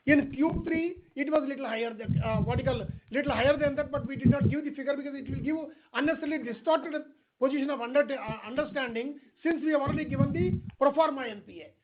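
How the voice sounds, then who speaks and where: A man's voice: extremely high pitch, fast, few pauses. A man with an Indian accent answering investor questions as an executive, explaining emphatically and repeating phrases. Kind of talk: spontaneous earnings call answers. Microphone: conference call line. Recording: phone-like call audio with faint noise.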